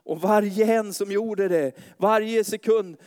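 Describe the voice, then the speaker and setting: A man preaching at a church meeting and praying aloud with fervent, rising intensity. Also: sits high. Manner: fervent, rising to loud pleading prayer. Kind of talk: sermon and spoken prayer.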